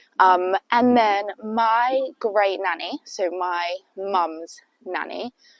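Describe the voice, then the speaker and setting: A woman with an English accent, medium pitch, and fairly even intonation. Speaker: YouTuber. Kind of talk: storytime. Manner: casual, hesitant with fillers.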